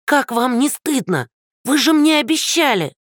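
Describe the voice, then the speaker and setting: Cranky old neighbor woman, shrill and hoarse, put on by the narrator; dry booth recording. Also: very animated, a little slow, fairly bright tone, no room sound, full character voice. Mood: scolding. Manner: shrill, scolding, hoarse cackle.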